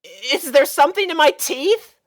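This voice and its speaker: A woman voicing a young, nervous, flustered filly with a meek, hesitant manner and a squeaky child's voice. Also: normal speed, lightly acted.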